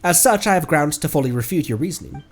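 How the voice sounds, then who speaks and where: A man voicing an earnest, pedantic academic who lectures in a halting way. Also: fairly high pitch, lively intonation. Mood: earnest, lecturing. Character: earnest, pedantic young academic of marine bones.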